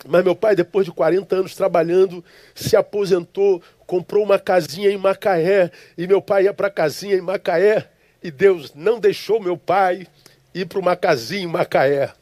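A man's voice: high-pitched, steady tone, normal speed, a little mellow, no room sound. A male pastor with an accent from Rio de Janeiro, preaching a sermon and telling a personal story with emotion, repeating words for emphasis. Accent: Brazilian, from Rio de Janeiro. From Rio de Janeiro, Brazil.

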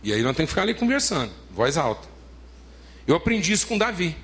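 A man's voice: on the high side, very animated, fast talker, a bit bright. A man with a Brazilian Portuguese accent preaching a sermon as pastor, emphatic, repeating phrases and calling listeners beloved.

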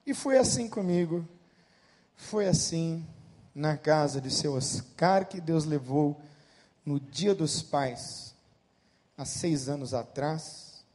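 A middle-aged man from Brazil, a pastor preaching a sermon that swings between loud emphatic peaks and quiet storytelling. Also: sits high.

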